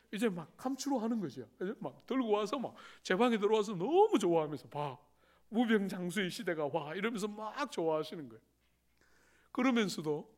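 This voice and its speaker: A middle-aged man preaching a sermon as a pastor, telling stories with acted-out quotes and rising emphasis. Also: sits high.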